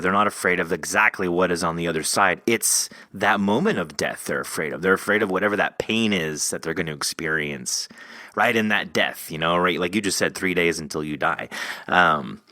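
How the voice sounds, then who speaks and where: Bright-voiced man hosting a casual podcast. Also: low-pitched, brisk, dry recording. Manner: conversational, rambling, thinking aloud. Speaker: podcast host. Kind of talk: casual interview chat.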